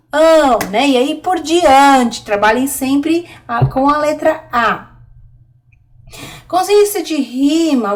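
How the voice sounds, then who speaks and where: Brazilian lady teacher, high voice, explaining stuff to other teachers, keeps asking "ok?". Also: a bit bright. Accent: Brazilian Portuguese. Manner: explanatory, addresses teachers directly, frequent "tá?" check-ins. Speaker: literacy teacher. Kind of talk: online teaching video.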